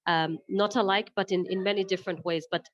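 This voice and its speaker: A woman's voice: medium pitch, steady tone, brisk, dry recording, highs cut off. A woman giving spontaneous remarks in an online discussion, tentative and rambling, often correcting herself. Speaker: invited discussion participant. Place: online video call.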